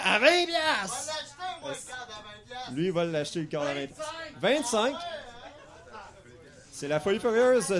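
High-voiced joking Quebec auctioneer man. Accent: Quebec French. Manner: playful, chanting bids, laughing at his own jokes. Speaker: auctioneer and event host. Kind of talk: joking live auction patter.

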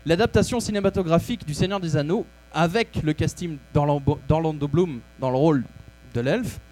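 High-voiced man doing crude comic monologue. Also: fairly quick, darkish tone. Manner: crude, rambling, mock-serious. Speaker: comedy host.

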